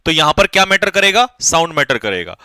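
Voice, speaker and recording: A man teaches an online English grammar lesson, pushing his students to hurry. His voice is high and bright, and he keeps asking questions and answering them himself. The sound is dry and close to the mic. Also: very animated, brisk, no room sound. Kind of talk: online exam-prep lesson.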